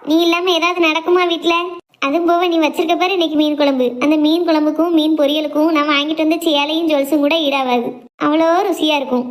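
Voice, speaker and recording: A woman's voice: high voice, flat delivery, fast talker, natural voice. A woman playing a devoted young adult daughter who coaxes and teases her mother. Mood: earnest. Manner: earnest, coaxing, playful. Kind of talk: family drama skit.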